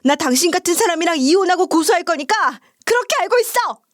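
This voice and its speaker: A woman voicing a furious, wronged young wife who yells shrilly and tearfully in a storytelling video. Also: expressive, fast talker, no room sound, clean studio sound. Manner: shrill yelling.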